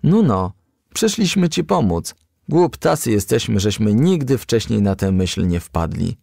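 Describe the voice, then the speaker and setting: An earnest young firefly lad from a storybook, keen to help, read by a man. The voice has some creak and sounds dry and close. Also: on the low side, sing-song, measured pace, a little mellow, no echo, heavily acted. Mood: eager, earnest. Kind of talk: storybook character reading.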